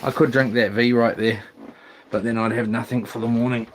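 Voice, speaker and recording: A man's voice: medium pitch, little pitch movement, brisk. Broad Kiwi man, laid-back and slangy. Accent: New Zealand. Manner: laid-back, slangy, talking to himself and viewers. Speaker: fishing livestreamer. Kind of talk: casual rambling livestream chat. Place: outdoors on a small boat on the water. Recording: noisy outdoor boat recording, water and clicks.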